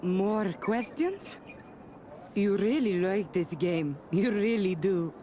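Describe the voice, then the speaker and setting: A playful tribal woman in a fantasy game. She speaks in teasing, cryptic, simply formal phrases, over clear ambient noise. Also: medium pitch, lively intonation, slow pace, warm tone. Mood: amused, reluctant. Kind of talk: video game dialogue.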